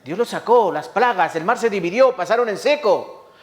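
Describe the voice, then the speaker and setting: A man's voice: sits high, lively intonation, moderate pace. A man preaching a sermon with a Spanish accent from Spain, telling stories dramatically with rhetorical questions and acted-out sounds. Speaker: pastor. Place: church hall.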